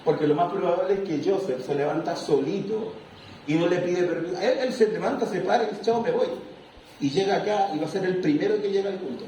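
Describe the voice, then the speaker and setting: A man preaching a sermon as pastor, lively and animated, acting out little scenes. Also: sits high, fast talker, a little hiss or hum. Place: church. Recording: echoey room, mic far off.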